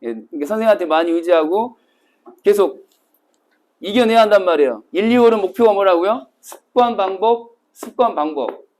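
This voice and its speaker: A man teaching a cram school Korean class, telling stories vividly and acting out scenes with sudden shouts. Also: sits high, animated, moderate pace. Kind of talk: classroom lecture to exam retakers.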